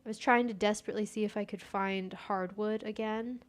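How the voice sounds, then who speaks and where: Answering viewer chat and thinking aloud during play, a chatty young gaming streamer keeps things casual. She's American, a native Persian speaker, and her mid-range voice is steady and a little fast.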